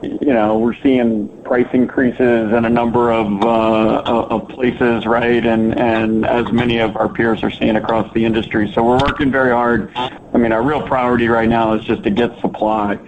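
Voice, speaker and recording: A man's voice: medium pitch, level tone, moderate pace. A man speaking as a finance executive, answering analyst questions informally on a conference call over the phone. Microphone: telephone conference line. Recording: thin phone line, faint noise.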